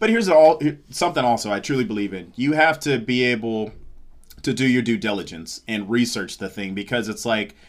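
On a very clean recording with a silent background, a man with an American accent speaks at a medium pitch and a moderate pace. He has a normal speaking voice and lively intonation. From Seattle, US Pacific Northwest. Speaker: stand-up comedian and podcaster. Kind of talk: casual comedic interview.

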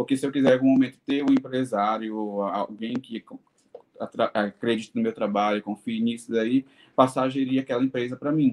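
Here a man talks at a moderate pace with a medium pitch and fairly even intonation, in an unremarkable speaking voice. The sound is dry and close, with no echo. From Brazil, Belém do Pará. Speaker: singer-songwriter and pediatrician. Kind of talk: casual interview.

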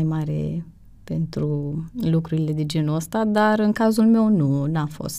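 A woman's fairly low voice, dark and mellow in tone, at a fairly slow pace with ordinary pitch variation. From Romania, Bucharest. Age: 30s. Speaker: former pop-dance singer and model. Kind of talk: casual interview.

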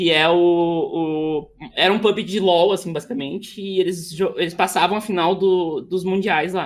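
Fairly even intonation with hardly any pauses. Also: woman, medium pitch for a woman. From Rio Grande do Sul, Brazil (Montenegro). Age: 20s. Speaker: podcaster and streamer. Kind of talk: casual interview on a live stream. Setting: live stream. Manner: fast.

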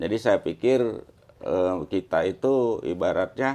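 Ordinary pitch variation shapes a man's dark, mellow tone. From South Sumatra, Indonesia. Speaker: regional legislator. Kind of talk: interview.

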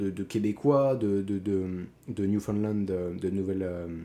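A man speaks with a dark, mellow tone at a fairly low pitch. His intonation stays fairly even. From Saint-Pierre-et-Miquelon. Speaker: university student. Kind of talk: casual interview chat.

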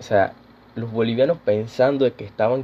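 A man with an ordinary speaking voice talks at medium pitch, with ordinary pitch variation. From Panama. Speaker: streamer and podcaster. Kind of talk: casual live-stream chat. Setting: live stream.

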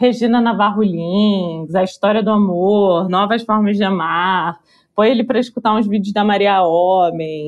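A woman with an ordinary speaking voice talks fairly slowly at a medium pitch, her loudness very even and her intonation fairly even. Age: 20s. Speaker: polyamorous guest talking about relationships. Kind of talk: casual chat.

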